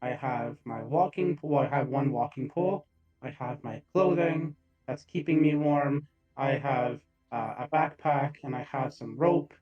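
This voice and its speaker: A man voicing a clumsy, magic-powered robot traveler through a light robotic voice changer, speaking haltingly. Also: medium pitch, muffled recording, faint music behind. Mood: earnest. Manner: halting, stumbling over words. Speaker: player voicing his character.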